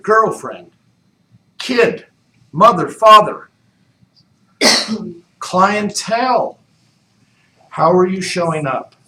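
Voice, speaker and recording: A man's voice: high voice, sharp tone. A man leading a real estate training session, coaching the group with repeated questions. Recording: echoey room, mic far off.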